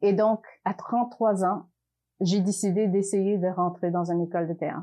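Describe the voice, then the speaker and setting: With an Italian accent, a woman speaks at a medium pitch with ordinary pitch variation. Her tone is dark and mellow. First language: Italian (speaking French). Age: 50s. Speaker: theatre director. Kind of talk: interview. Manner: halting.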